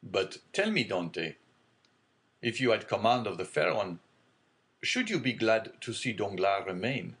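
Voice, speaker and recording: A man reading aloud and voicing a genial, fatherly older shipowner in a hearty, booming manner. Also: big pitch swings, measured pace, fairly bright tone, full character voice. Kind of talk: audiobook character reading.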